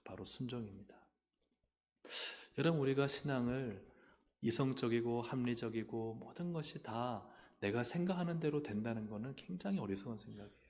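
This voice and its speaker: A male pastor with a Gyeongsang accent preaching a lively sermon, calling for amens and acting out little dialogues. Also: medium pitch, normal speed, long reverb tail. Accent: Gyeongsang Korean. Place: church sanctuary.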